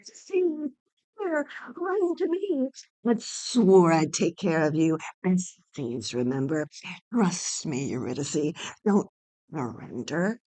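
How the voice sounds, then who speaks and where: A woman's voice: low-pitched, sing-song, slow, warm tone, no room sound, full character voice, poor audio. A woman voicing a female viper, a sly, cajoling false friend with venomous intent, in a dramatic play reading. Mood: falsely caring.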